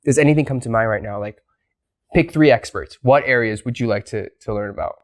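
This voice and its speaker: A man's voice: mid-range voice, brisk. A man who grew up in the United States, hosting a casual interview. He asks curious, rambling questions with many restarts. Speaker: talk show host.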